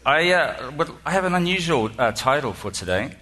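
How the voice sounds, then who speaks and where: A man's voice: a little high, big pitch swings, fairly quick, sharp tone. A man with a New Zealand accent giving a self-deprecating, chatty speech to an audience, full of ums and restarts. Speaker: guest speaker. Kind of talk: humorous keynote speech. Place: lecture hall before an audience.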